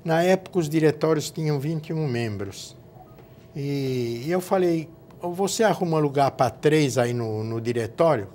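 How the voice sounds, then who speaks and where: Older São man recalling, halting. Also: fairly high pitch, expressive, a little mellow, a little hiss or hum. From São Paulo, Brazil. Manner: halting, repeats words while recalling. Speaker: guest, former state legislator. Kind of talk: interview reminiscence.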